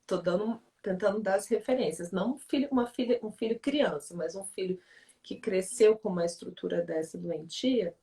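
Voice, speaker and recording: A woman's voice: mid-range voice, normal speed, mellow. A woman who writes for readers, explaining family relationships in a reflective, teacherly way and often checking in with "né?". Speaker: author and family-relations speaker in a livestream. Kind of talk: explanatory talk in a live conversation. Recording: voice somewhat distant from the mic.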